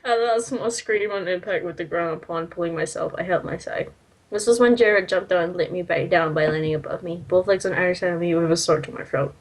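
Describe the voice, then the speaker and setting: A woman's voice: fairly low pitch, fast talker, low-quality recording. Giggly woman reading a story aloud. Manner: giggly, teasing. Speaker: story reader. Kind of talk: casual read-aloud of amateur fan fiction with joking asides.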